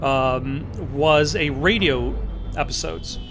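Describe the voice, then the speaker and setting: A man hosting a let's play with casual, improvised commentary, thinking aloud in a halting way. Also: fairly high pitch. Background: music.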